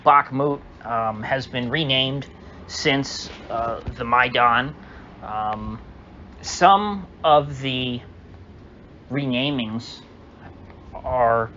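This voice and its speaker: A political commentator talks solo in a mid-range voice that sounds pushed and bright. His casual commentary rambles and hesitates, full of fillers and restarts, on dull lo-fi audio with faint hiss.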